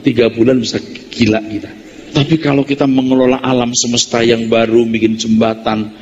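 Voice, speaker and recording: A male pastor preaching a sermon. He is animated, jumps suddenly into high emphatic outbursts, and puts rhetorical questions to the congregation. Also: highs cut off, a little hiss or hum.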